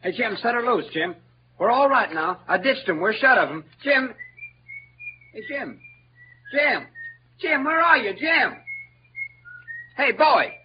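A man's voice: medium pitch, expressive, fairly quick, slight background noise, natural voice. A man voicing a resourceful rustic teenage boy who narrates in plain, rustic speech, in a 1940s radio drama. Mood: urgent. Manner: plain rustic narration, urgent when searching. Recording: dull lo-fi old radio recording with music.

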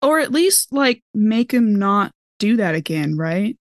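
A woman playing a tabletop role-playing game, chatting casually and in an animated, interjecting way. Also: medium pitch, unhurried, no room sound, clean studio sound. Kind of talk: casual improvised in-character game chat.

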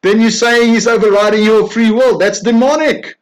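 A man preaching a sermon, emphatic, swinging between loud insistence and soft hushed tones. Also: sits high, steady tone, moderate pace, poor audio.

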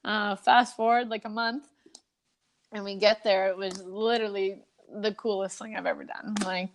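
A woman's voice: medium pitch, steady tone, moderate pace. A young adult woman from Canada, a guest telling her story in a casual, chatty way, laughing often and saying "like" and "you know" a lot. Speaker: guest, Olympic hockey player.

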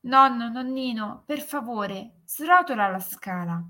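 A woman voicing a young girl who longs to dance, pleading in a raised, bright voice. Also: on the high side, expressive, takes it slowly, full character voice.

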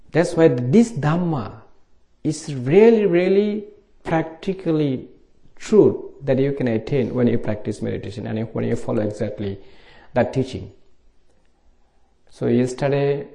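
A middle-aged Buddhist monk from Bangladesh with a Bangladeshi accent, giving an informal dharma talk in simple English at a meditation retreat. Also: male voice, medium pitch, unhurried, creaky, dark tone.

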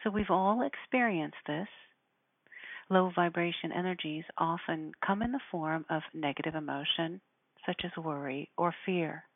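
A woman speaking in a measured, deliberate way, giving spiritual instruction and guided meditation. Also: on the low side, no echo. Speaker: spiritual teacher guiding listeners. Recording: narrow phone-like sound.

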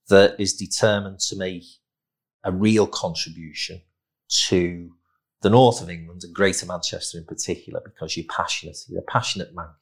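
A man with a fairly low voice hosts a business podcast. He speaks emphatically, with a salesman-like push in his delivery as he presents. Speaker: podcast host. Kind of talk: podcast interview and promotional announcements.

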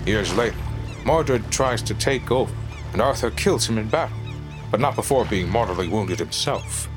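A man's voice: fairly low pitch, expressive, normal speed, close to an everyday voice. An actor playing a shady older male adventurer in an audio drama, a wry, folksy storyteller who stumbles over his words. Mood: storytelling. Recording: loud music and boat engine behind.

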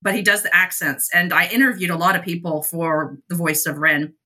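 Give me a talkative woman author as podcast guest, with a very bright, tense voice. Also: on the low side, fairly even intonation, a little fast. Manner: chatty and self-deprecating. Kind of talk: casual podcast chat.

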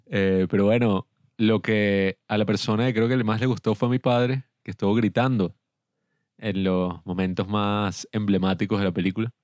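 Male co-host: low, dry voice, loose rambling film banter. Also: darkish tone, no room sound. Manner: rambling, joking, laughs often. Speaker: podcast co-host. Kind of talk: casual film review chat.

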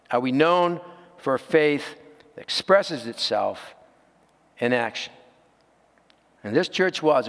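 A man's voice: on the high side, fairly bright tone, in a large hall. A man preaching a sermon as pastor, earnest and direct, putting rhetorical questions to his congregation.

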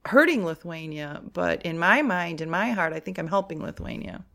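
Woman, earnest author, low-ish voice. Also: animated, moderate pace, gravelly, fairly bright tone. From Chicago, USA. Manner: earnest, heartfelt. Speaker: author and teacher. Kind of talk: interview answers.

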